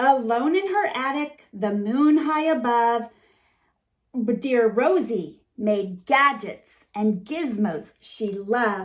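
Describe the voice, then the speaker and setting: A woman puts on a high-pitched character voice. It is sing-song and very slow. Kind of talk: bedtime story. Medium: read story. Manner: sing-song, rhythmic, expressive.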